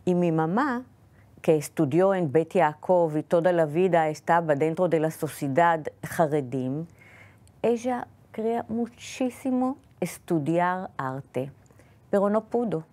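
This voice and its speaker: A woman's voice: fairly low pitch, expressive, mellow. Israeli woman telling family stories. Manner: careful, slightly halting non-native Spanish. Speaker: guest. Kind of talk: interview storytelling.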